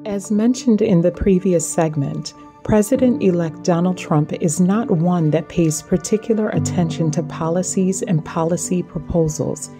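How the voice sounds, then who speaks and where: A woman reads scripted documentary narration in a slow, grave manner. Her voice sits a little low, and music plays clearly underneath. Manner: slow and dramatic.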